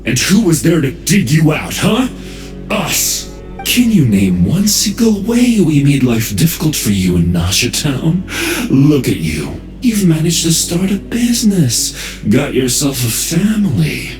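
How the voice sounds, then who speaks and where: A man's voice: fairly high pitch, wildly swooping pitch, a little slow, darkish tone. A man voicing a scornful, bullying thug in a video game, mocking and taunting. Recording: roomy echo, faint music behind.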